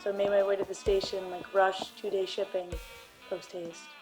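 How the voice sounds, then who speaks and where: A woman plays a hard-boiled radio-drama detective with a mid-pitched voice. The delivery is brooding and theatrical, world-weary and given to melodrama, with music underneath. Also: little pitch movement, normal speed, darkish tone, close to an everyday voice. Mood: urgent narration. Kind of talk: noir radio drama narration.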